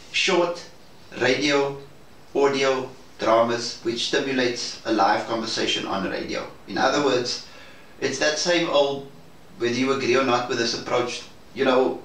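A man speaking in a measured, hesitant and formal way in a reflective debrief conversation. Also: medium pitch, fairly bright tone. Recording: roomy, distant mic, faint noise.

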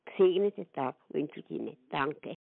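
An older woman born in Italy, speaking, asks her question politely and earnestly. Her voice sits low for a woman and comes through a narrow, tinny phone line. The sound is dry. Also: animated, normal speed, vocal fry, no room sound. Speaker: caller.

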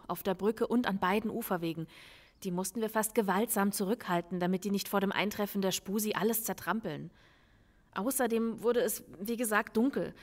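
An actress playing a brisk, blunt female police lieutenant in an audio crime drama, firm and matter-of-fact. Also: mid-range voice, lightly acted. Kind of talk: German audio drama acting.

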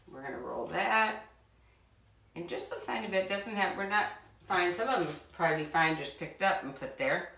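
A woman's voice: fairly low pitch, a bit bright, a little hiss or hum. Chatty woman in a roomy kitchen. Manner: chatty and encouraging, talks straight to kids. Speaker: cooking show host for children. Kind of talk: live cooking demonstration. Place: home kitchen. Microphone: far camera. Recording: roomy kitchen sound from a distance.

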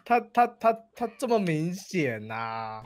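A woman's voice: low-pitched, big pitch swings, slow pace, darkish tone. A woman chatting playfully and giggling while playing an online game. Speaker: game player. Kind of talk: casual gaming chat.

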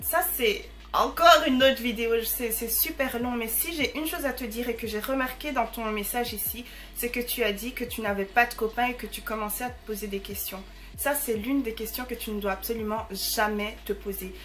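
A woman's voice: a little high, normal speed, a bit bright, soft background music. A woman in her early twenties chatting casually to camera as she answers viewer messages, bubbly and full of slangy fillers.

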